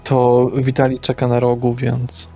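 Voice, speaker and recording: A man's voice: medium pitch, completely flat delivery, a little slow, warm tone, soft background music. A man speaking in character in a tabletop roleplaying game, casual and rambling. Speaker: player.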